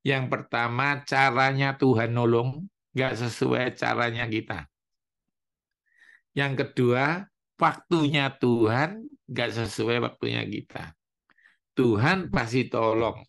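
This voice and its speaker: A male pastor, preaching a sermon in a lively, animated way. He acts out the complaints of church members in raised voices. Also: mid-range voice, gravelly.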